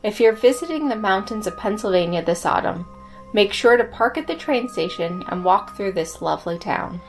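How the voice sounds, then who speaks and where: A woman's voice: mid-range voice, expressive, normal speed. A woman co-hosting a podcast, reading scripted ghost stories with music behind her. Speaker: podcast co-host. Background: background music.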